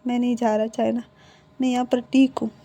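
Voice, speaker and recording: A woman with a hoarse throat voicing a stubborn young man who flatly refuses his mother. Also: fairly high pitch, brisk. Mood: refusing.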